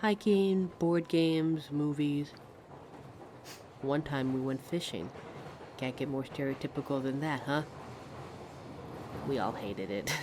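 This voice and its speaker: A woman's voice: low voice, slow pace, long pauses. A woman playing a friendly, lonely train passenger in a hesitant, reflective ASMR roleplay monologue, chatting to a stranger. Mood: wry, fond. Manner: hesitant, musing, reflective, trailing off. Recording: vehicle noise behind voice. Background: train ambience sound effects.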